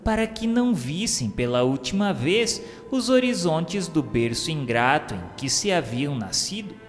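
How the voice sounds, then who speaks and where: A man with a Brazilian accent reading a solemn scripted radio drama narration in formal, measured literary diction. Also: medium pitch. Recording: long reverb, music under the voice.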